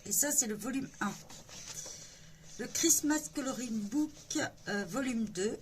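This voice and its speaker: A woman hosts her own coloring channel, flipping through a coloring book page by page in a casual, hesitant chat packed with fillers. Her fairly high voice has lively intonation and a measured pace, with slight background noise.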